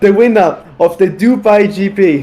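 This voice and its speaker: Someone with a non-native accent speaks while music plays in the background. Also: man. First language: not English. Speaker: sim racing commentator. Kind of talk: live commentary.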